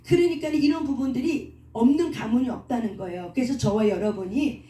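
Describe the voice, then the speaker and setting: A woman's voice: a little high, fairly quick, dark tone. Distant, echoey woman preaching. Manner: asks the congregation questions and answers them herself. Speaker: pastor. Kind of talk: sermon.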